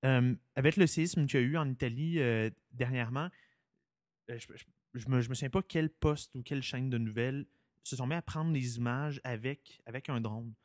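A man's voice: medium pitch, moderate pace, darkish tone, no echo, clean studio sound. A man with a Québécois French accent hosting an interview, casual and prone to stammering repeats. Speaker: interviewer host.

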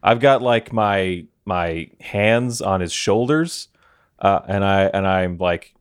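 A man's voice: low voice, slow, smooth, no room sound, clean studio sound. A man playing a tabletop game, hesitant and full of fillers as he describes his move. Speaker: player. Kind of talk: casual tabletop game chat.

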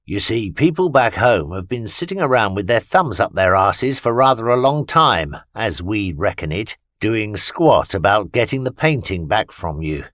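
A man's voice: lowish voice, lively intonation, normal speed, few pauses, fairly bright tone, dry recording. A man voicing a terse, dry old man who talks bluntly and slyly. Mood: gruff. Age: older. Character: old scarred man, gruff and sly.

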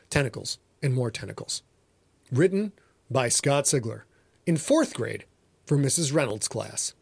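A man's voice: mid-range voice, husky, dry recording. A man hosting and narrating his own podcast in a playful, theatrical way. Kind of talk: dramatic story reading and casual podcast talk.

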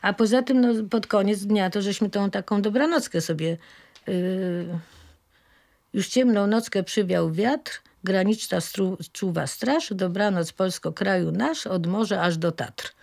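A woman's voice: mid-range voice, a little slow, vocal fry, darkish tone. An older woman reminiscing casually in conversation, sometimes reciting from memory and correcting herself.

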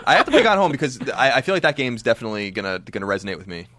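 A man's voice: medium pitch, sing-song, rapid-fire, fairly bright tone. An American man co-hosting a podcast in casual banter. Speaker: podcast co-host.

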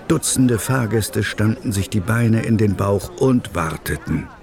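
A man's voice: fairly low pitch, lively intonation, measured pace, vocal fry, a little mellow. A man narrating a children's audio play in a scripted storytelling style. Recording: music behind the voice.

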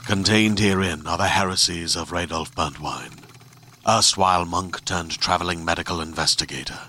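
A man's voice: low-pitched, pushed and bright, slight background noise. A man playing a grave former monk turned plague investigator in a podcast trailer, speaking ominously. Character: brooding male heretic monk-investigator.

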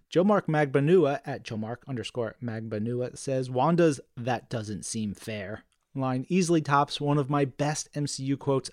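A man's voice: medium pitch, dry recording, clean studio sound. Playful man podcast co-host. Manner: playful, animated. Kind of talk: casual podcast chat, reading listener messages.

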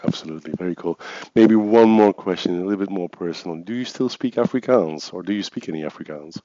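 A man's voice: deep voice, fast talker, warm tone, no echo. A man, a native Flemish speaker, hosting a podcast and asking rambling questions with many repeated words. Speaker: podcast host. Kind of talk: casual interview questions. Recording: dry, dull lo-fi sound.

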